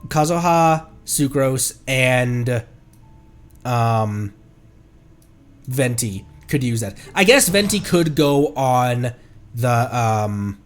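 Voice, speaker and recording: A young man streaming a game in casual chat, congested and stuffed up, rambling with many ums and breaking into sudden excited outbursts. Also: medium pitch.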